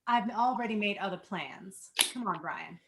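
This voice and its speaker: A woman's voice: medium pitch, moderate pace, fairly bright tone, natural voice. A woman voicing a reckless, flippant young rebel daughter in a screenplay table read. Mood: defiant, bitter.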